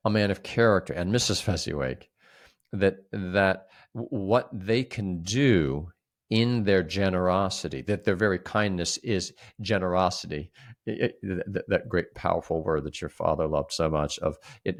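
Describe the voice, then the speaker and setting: A man co-hosting a literary discussion, speaking emphatically and haltingly, often repeating words as he reflects. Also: deep voice. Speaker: co-host.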